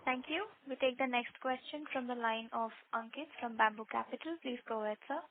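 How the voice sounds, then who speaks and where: Brisk woman moderating by phone. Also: fairly high pitch. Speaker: conference call moderator. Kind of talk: scripted call moderation. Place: conference phone call. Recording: tinny phone line, faint noise.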